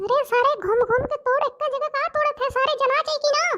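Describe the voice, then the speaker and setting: A squeaky, cartoonish character voice from a woman, extremely high in pitch, with ordinary pitch variation at a fairly quick pace. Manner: fast, rustic, exclamatory.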